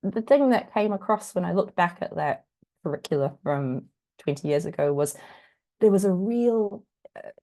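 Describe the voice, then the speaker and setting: A woman from New Zealand runs a workshop over a video call, her voice husky and croaky as she gets over being sick. She talks in a chatty, self-deprecating way, full of "um" and "sort of", in a fairly low and mellow tone. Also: expressive, normal speed. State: croaky, recovering from illness. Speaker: workshop presenter. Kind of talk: casual online workshop talk.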